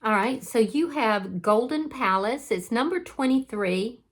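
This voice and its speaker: A woman's voice: a little high, animated, a little slow. A woman giving a casual spoken tarot reading, talking straight to the viewer in an earnest, reassuring way, with frequent fillers and restarts. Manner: speaks directly to the viewer. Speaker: tarot reader.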